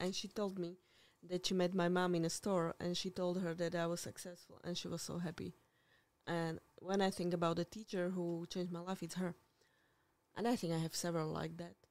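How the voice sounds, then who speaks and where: A woman with a Slovak accent speaks at a fairly quick pace in a fairly low pitch with monotone, flat intonation. The recording is very clean with a silent background. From Slovakia, Zahorie (Senica). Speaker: marketing professional. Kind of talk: casual interview chat. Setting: live-streamed video podcast.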